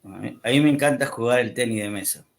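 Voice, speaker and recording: A man in his fifties from Argentina, a guest talking about himself in a relaxed, friendly way over a video call. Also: medium pitch, fast talker, creaky. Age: 50s. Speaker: interview guest. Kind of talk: casual conversation.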